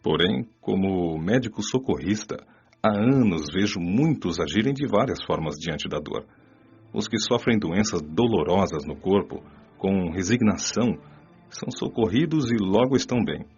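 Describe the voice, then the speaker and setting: A wise, gentle spirit doctor explains things patiently in a very deep, husky voice. He has a Brazilian Portuguese accent and a calm, paternal manner. The dull lo-fi sound suits a radio play. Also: moderate pace, faint music behind, full character voice. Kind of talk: radio drama dialogue. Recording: dull lo-fi audio.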